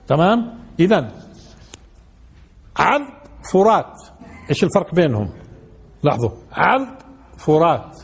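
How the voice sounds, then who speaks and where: A man's voice: a little high, darkish tone, slightly rough. A man teaching a class, asking his listeners questions and repeating key words. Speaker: sheikh teaching Quran commentary. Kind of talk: classroom lesson in colloquial Arabic.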